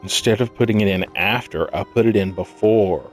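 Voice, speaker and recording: A sleep-deprived man thinking aloud as he plays a puzzle game, muttering haltingly to himself in casual commentary. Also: lowish voice. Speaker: gaming video host. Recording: music behind the voice. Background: game music.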